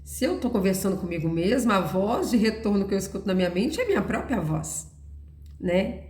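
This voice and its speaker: Woman telling a faith story, earnest and chatty, mid pitch, echoey room. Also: very animated, a little fast, a little mellow, a little hiss or hum. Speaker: Christian devotional speaker. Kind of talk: personal testimony talk. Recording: roomy echo.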